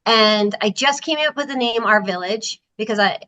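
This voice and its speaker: A woman from Maryland, USA, appears as a podcast guest over a video call from Costa Rica. Her voice sits on the high side, bright and forceful, at a moderate pace, and she chats enthusiastically with plenty of fillers in a casual interview. The audio sounds dull.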